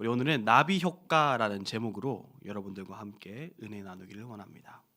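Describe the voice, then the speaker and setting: A man speaks in a medium pitch with ordinary pitch variation. His tone is bright and sharp. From South Korea, Ulsan (Gyeongsang). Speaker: preacher (junior pastor). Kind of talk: sermon. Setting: church. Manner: halting, many fillers.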